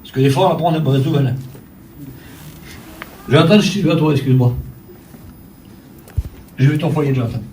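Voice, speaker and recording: Middle-aged man preaching in church, animated storyteller, higher voice, distant mic. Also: moderate pace, pauses often, slight background noise. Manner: storytelling, animated, addresses congregation directly. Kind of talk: sermon. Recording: echoey church from far off. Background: faint ambience, congregation saying amen.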